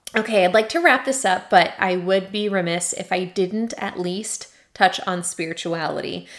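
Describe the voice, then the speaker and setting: A woman with an American accent, warm and upbeat in tone, at a medium pitch and moderate pace with hardly any pauses, over noticeable background noise. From Los Angeles, US. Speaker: podcast host and self-love coach. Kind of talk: personal monologue. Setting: recording at family home. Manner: warm, upbeat, frequent laughs and filler.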